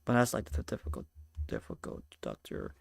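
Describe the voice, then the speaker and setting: Gravelly, rambling streamer guy. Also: very deep voice, huge pitch swings, dry recording, clean studio sound. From Peru. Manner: rambling, halting, restarts often. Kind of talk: casual reaction stream chat.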